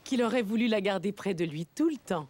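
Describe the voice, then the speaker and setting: A woman reading scripted narration for a children's story in an expressive storytelling manner. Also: mid-range voice, a little fast.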